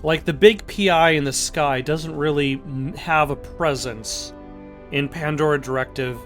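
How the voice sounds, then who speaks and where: A man hosting a let's play with casual, improvised commentary, thinking aloud in a halting way. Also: on the high side, fairly bright tone. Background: music.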